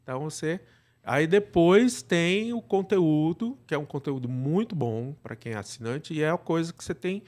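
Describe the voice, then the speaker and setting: Brazilian guy, kinda high voice, chatting in an interview, explains stuff with lots of little tag questions. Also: lively intonation, moderate pace, a little mellow. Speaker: interview guest, audio drama producer. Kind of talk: casual conversational interview.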